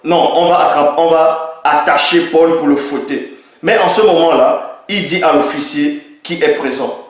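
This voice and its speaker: A man's voice: fairly high pitch, moderate pace. A man with a slightly raised voice delivers an emphatic opinion monologue, drawing on Bible passages and repeating key lines for stress. His voice rings out in a heavily echoing room. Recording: very echoey room.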